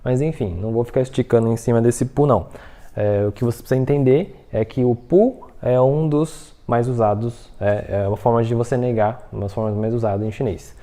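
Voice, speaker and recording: A man teaching an online Mandarin lesson in a warm, mellow voice. He explains patiently and keeps checking that the listener is following. He says his example phrases slowly and carefully. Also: mid-range voice.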